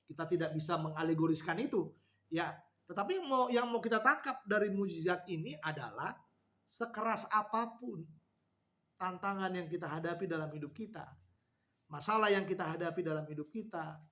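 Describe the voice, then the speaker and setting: A man preaching a sermon to a women's fellowship, explaining Bible passages and acting out quoted lines with lively repetition. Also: high voice, normal speed. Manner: animated, repeats key phrases, acts out quoted lines.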